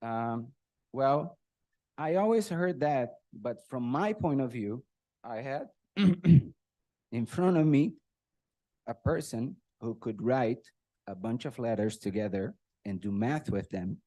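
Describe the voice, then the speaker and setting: A man's voice: medium pitch, lively intonation, slow pace, dark tone, dry recording, poor audio. Emotional middle-aged man. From Brazil. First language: Portuguese. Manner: emotional, often clears his throat, self-deprecating humor. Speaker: speaker at a birthday tribute. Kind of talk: personal tribute speech with jokes.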